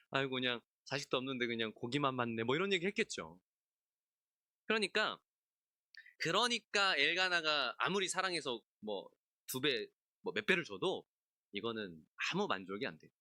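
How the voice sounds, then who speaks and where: Lively, bright-voiced man preaching. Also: fairly high pitch, no room sound, studio quality. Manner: lively, conversational, asks the congregation questions; acts out biblical characters in asides, laughs often. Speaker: pastor. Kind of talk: expository sermon at a midweek service.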